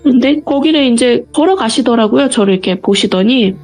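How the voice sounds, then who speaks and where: A woman's voice: fairly high pitch, lively intonation, a little fast, darkish tone, soft background music. A woman guest in an interview, retelling a personal story earnestly and vividly.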